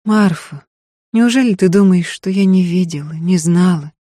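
Brief: quiet, restrained young woman singer, resolute, voiced by a woman narrator, dry close sound. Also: fairly low pitch, moderate pace, no room sound, natural voice. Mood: soft resolute.

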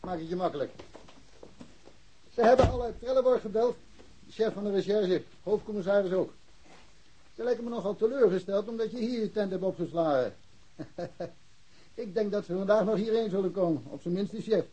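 Mellow, higher-voiced village policeman. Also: normal speed, long pauses, breathy edge, highs cut off. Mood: welcoming, practical. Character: easygoing, contented small-town village policeman, good-humoured. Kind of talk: naturalistic radio drama acting.

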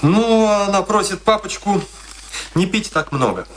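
A man's voice: sits high, lively intonation, unhurried, background noise. An actor playing a restrained, dutiful man in a radio play, speaking in a dry, matter-of-fact way. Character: dutiful, restrained male relative of the captain.

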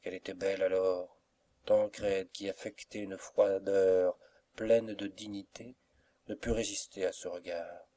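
A man with a fairly low voice narrates a classic tale for an audiobook. His storytelling is measured and even. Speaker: volunteer audiobook reader.

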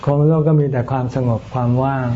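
A middle-aged man, a Buddhist monk teacher, answering questions in an unhurried, joking, plain way. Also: medium pitch, steady tone. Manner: unhurried, joking, explains plainly in Thai and English. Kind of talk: relaxed dharma Q&A talk. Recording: muffled with faint noise.

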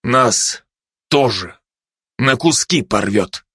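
A man voicing a calm, serious male special-forces dog who explains things patiently. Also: mid-range voice, very slow, slightly rough, dry recording, clean studio sound, full character voice. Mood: matter-of-fact.

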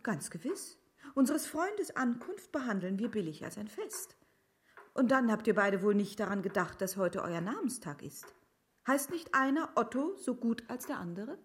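An actress playing a gracious, festive married gentlewoman in a literary radio drama, speaking in a ceremonious, formal way. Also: a little high, sing-song, normal speed. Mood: cheerful.

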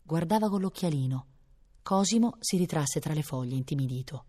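A woman reading a novel aloud, expressive and giving each character a voice. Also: low voice, moderate pace, in a large hall. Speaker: audiobook reader.

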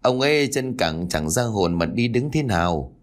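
A man's voice: lowish voice, lively intonation, moderate pace, lightly acted. A man voicing a worried elderly village wife and mother who frets and scolds. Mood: anxious. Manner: fretful, scolding.

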